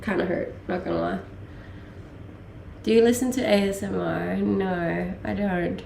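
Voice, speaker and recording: A young Danish woman chats loosely with her livestream audience, her accent drifting between Danish and Australian. She talks slowly with a gravelly edge, full of "um"s and easy laughs, sounding slightly sick. The room gives her voice a noticeable echo over faint background hum. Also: medium pitch. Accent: Danish-Australian mix. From Denmark. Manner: relaxed, laughing, many fillers. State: a little sick. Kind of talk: casual chat reading viewer questions.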